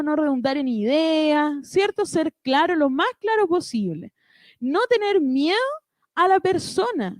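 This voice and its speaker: A woman with a high voice presents a church ministry workshop. She explains things step by step and keeps checking in with her listeners through short tag questions. The sound is dry, with no room echo. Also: darkish tone. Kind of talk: instructive church workshop talk.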